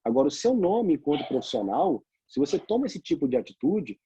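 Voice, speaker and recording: Husky-voiced Brazilian man telling a case story. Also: fairly high pitch, fairly quick, dry recording, dull audio. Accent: Brazilian Portuguese. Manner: animated anecdotal storytelling with rhetorical questions. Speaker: law lecturer and practicing lawyer. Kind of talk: storytelling lecture.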